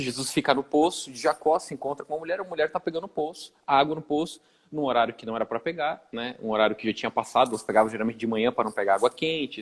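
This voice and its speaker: Lively man retelling Bible stories. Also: medium pitch. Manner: lively storytelling, acting out quoted dialogue with casual slang. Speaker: guest Bible teacher. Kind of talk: live Bible discussion.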